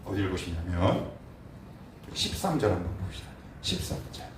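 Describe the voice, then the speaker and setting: A man preaching a sermon as pastor, animated, acting out quotes and asking the congregation questions. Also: low voice, normal speed, a little hiss or hum. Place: church sanctuary. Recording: echoey church hall, mic at a distance.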